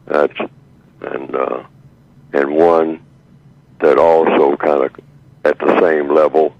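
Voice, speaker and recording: A man in his eighties speaking by phone as a radio guest over a clipped line, slow and measured with halting fillers. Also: very deep voice, dry recording. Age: 80s. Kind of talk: radio call-in talk by phone. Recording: dull, dry phone line.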